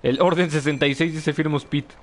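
A young Mexican man riffs loosely over his gameplay, cracking jokes and answering viewers as he plays. His voice sits a little high for a man. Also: fairly even intonation, a little fast. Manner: joking, reads chat aloud, laughs often. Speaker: gameplay streamer. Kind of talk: casual live gameplay commentary.

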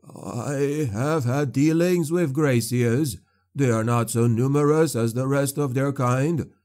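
A man voicing a broken old male sorcerer, locked in a cage, speaking slowly with a wheezing sneer. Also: mid-range voice, a little mellow, close to an everyday voice. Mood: fawning. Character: broken old male sorcerer, caged, mocking then fawning.

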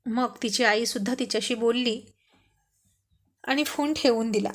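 A woman reading a serialized love story aloud in a steady narrating voice. Her pitch sits a little high for a woman. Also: a little slow.

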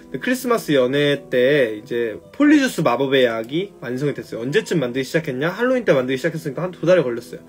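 A man's voice: medium pitch, big pitch swings, fast, faint music behind. A man casually retelling a story on a phone live stream, loose and chatty, swearing now and then.

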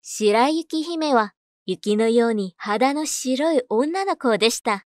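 A woman's voice: a little high, animated, slow pace, dry recording. Dry-sounding woman doing scripted voice-over. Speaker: voice actor. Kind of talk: scripted narration and announcements, voice-over demo.

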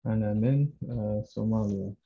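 A young man speaks as a beginner learner. His voice is fairly deep and comes through a thin, phone-like call connection. He answers in short, halting, hesitant phrases. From Somalia. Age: 20s. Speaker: beginner Arabic student. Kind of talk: halting answers in a language lesson. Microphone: remote video call.

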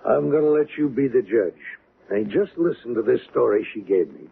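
A male police detective talks in a colloquial, halting way in an old radio drama. The voice is mid-pitched with plenty of gravel, on a thin, narrow broadcast recording. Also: expressive, exaggerated voice. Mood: matter-of-fact, puzzled. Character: plain-talking police detective briefing a colleague, colloquial and hesitant. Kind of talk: 1970s radio drama acting.

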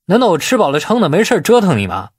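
A shrewd, bossy man, acted out by a male narrator in an audiobook drama. His voice is husky and lively in pitch, brisk and persuasive, recorded very dry. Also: dry recording, heavily acted. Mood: impatient. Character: shrewd, bossy man giving orders by phone.

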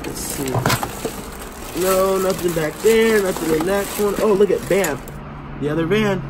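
A man's voice: sits high, moderate pace. Playful man sorting a storage unit. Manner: playful, excitable, teasing. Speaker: storage locker vlogger. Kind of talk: casual commentary while sorting. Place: outdoors at an open storage unit. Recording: noisy outdoor camera audio.

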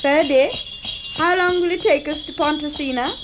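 An actress in a radio drama playing a poised, caring, practical wife with a brisk, well-mannered delivery. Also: female voice, high voice, noisy background, natural voice. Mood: cheerful.

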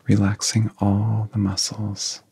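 A man guiding a relaxation in soft-spoken ASMR style, with a soft, whispery voice and gentle, soothing phrasing broken by long pauses. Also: on the low side, completely flat delivery. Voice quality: soft, breathy, often whispery. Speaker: ASMR hypnosis guide.

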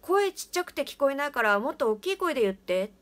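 A woman voicing a schoolboy at a summer camp, calling out loudly and getting annoyed. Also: a little high, lively intonation, normal speed. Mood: puzzled.

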